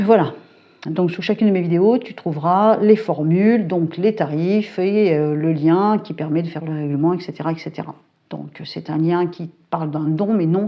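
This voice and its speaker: A middle-aged woman talking casually to camera, colloquial and brisk, with lots of fillers and hesitations. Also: fairly low pitch, lo-fi sound. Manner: chatty, colloquial, frequent filler tags and hesitations; brisk and self-described hyperactive. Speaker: psychic YouTuber. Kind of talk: casual talking-head chat. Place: home.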